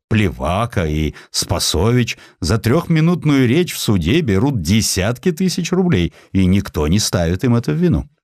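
A man's voice: sits low, a little mellow, no room sound, clean studio sound, exaggerated voice. A man voicing a proud, aggrieved older doctor of imperial Russia in an indignant, declamatory manner for a dramatized audiobook.

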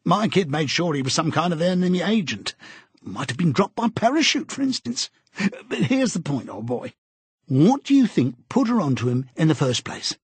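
Male reader putting on a loud hearty busybody guy, chummy and pushy, bit higher than his own voice, husky. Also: big pitch swings, moderate pace, no room sound, heavily acted. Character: bluff hearty middle-aged man, eager busybody.

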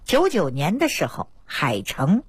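A woman doctor, telling lively anecdotes about patients on a radio talk show. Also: low-pitched, a little slow, slightly rough, dry recording. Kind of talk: storytelling health talk on radio.

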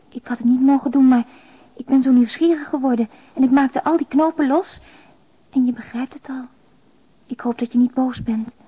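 A woman's voice: a little high, slightly rough. An actress playing an anxious, naive young mother who confides a confession by letter in a radio drama, intimate and hesitant. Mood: hushed, wistful. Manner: intimate, confiding, hesitant, lapsing into near-whispers. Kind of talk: radio drama monologue, letter read in voice-over. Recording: dull, roomy radio drama recording.

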